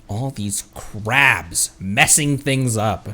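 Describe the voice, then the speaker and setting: A man doing casual gameplay commentary as a streamer, excitable and colloquial, close to the microphone. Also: on the low side, extremely slow, slight background noise. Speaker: streamer, VTuber. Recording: faint game music behind voice.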